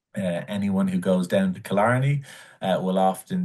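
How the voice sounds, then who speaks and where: A man's fairly low voice in an Irish accent, with fairly even intonation, over a quiet background. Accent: Irish, noticeable. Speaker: tour operator representative. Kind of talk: travel presentation. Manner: hesitant, many fillers.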